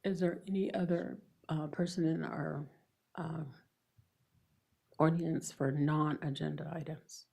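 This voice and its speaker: A congested woman chairing a public school board meeting, polite and procedural, with a husky voice. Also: deep voice, fairly even intonation, unhurried, warm tone. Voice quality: husky, gravelly voice.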